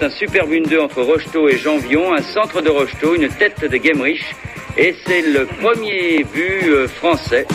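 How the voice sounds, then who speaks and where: A man giving measured play-by-play football commentary from an archive broadcast. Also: on the high side. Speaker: sports commentator.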